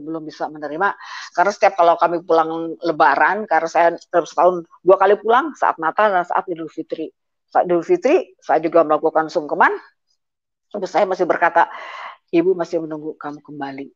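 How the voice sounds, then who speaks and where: A woman's voice: lowish voice, fairly quick. A middle-aged woman giving a personal testimony, speaking hesitantly with many filler sounds as she retells painful family events. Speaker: guest giving a conversion testimony. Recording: dull lo-fi audio.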